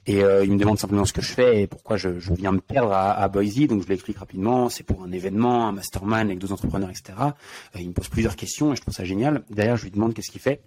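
A man's voice: lowish voice, fast talker, darkish tone. A man from France, hosting an interview podcast, recounts a personal story in a reflective, hesitant way with many fillers. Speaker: podcast host. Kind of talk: conversational interview talk.

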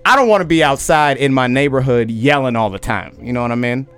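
A man in his late twenties, talking loudly and emphatically on a podcast and often asking "you know what I mean?". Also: mid-range voice, a little fast, smooth. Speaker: podcast host. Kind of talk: casual conversation.

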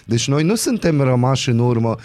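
A man's voice: mid-range voice, big pitch swings, dark tone, no room sound. A man co-hosting a morning radio show, telling an indignant story in casual banter.

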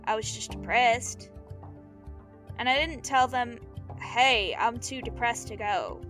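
A woman acting a guilt-ridden, blunt young runaway with powers in a naturalistic audio drama, talking in a halting, slangy, confessional way. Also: fairly high pitch, a bit bright. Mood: guilty confession. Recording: music behind the dialogue. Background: music.

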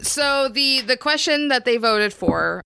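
Bright, giggly podcast co-host. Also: sits high, lively intonation, takes it slowly, gravelly, smooth. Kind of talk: casual chat.

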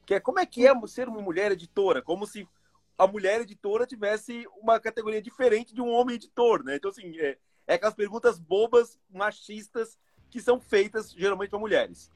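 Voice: mid-range voice, fairly quick, dry recording, studio quality. An interviewer who asks long, rambling questions and keeps encouraging the guest with short replies. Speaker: interviewer, host. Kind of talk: casual interview.

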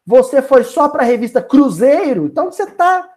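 A man's voice: very high voice, big pitch swings, normal speed, darkish tone, pitched above the performer's own voice. A man voicing a male spirit guide who answers in a cheerful, joking way. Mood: cheerful teasing.

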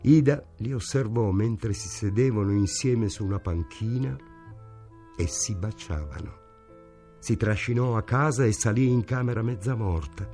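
A man narrating a novel in a measured, unhurried storytelling voice. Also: fairly low pitch, dark tone, soft background music. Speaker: reader. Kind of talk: audiobook narration.

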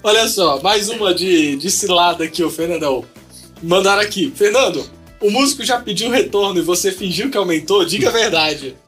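A man's voice: high-pitched, expressive, a little fast, a bit bright, faint music behind. A male host chatting casually, dropping short interjections and reading out listener questions. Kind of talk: casual podcast chat.

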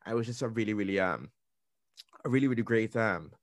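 Host, man, 30s, Trinidadian accent, quick rambling storyteller, dry close sound. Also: lowish voice, expressive, dry recording. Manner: fast, rambling, with many restarts. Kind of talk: casual storytelling chat.

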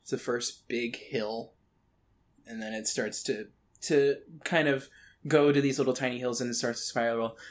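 A man running a tabletop horror game as game master, setting scenes with slow, deliberate, drawn-out narration. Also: mid-range voice, fairly even intonation.

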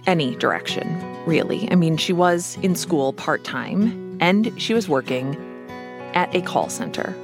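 A woman's voice: fairly low pitch, animated, unhurried, music in the background. A woman hosting a podcast, narrating in a wry, playful scripted style with joking asides. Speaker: podcast host.

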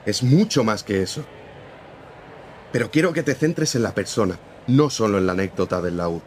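A man's voice: fairly low pitch, lively intonation, normal speed, darkish tone, slight background noise, lightly acted. An actor playing a firm, principled newspaper editor-in-chief who lectures his young reporter in a radio drama. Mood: earnest. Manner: firm, lecturing, morally serious.

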